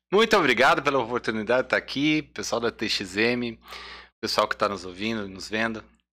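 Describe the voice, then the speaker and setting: A man's medium-pitched voice with a bright, sharp tone, on a very clean recording with a silent background. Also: ordinary pitch variation. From northern Paraná, Brazil (Londrina region). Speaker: business consultant and lecturer. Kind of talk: casual interview chat. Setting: studio.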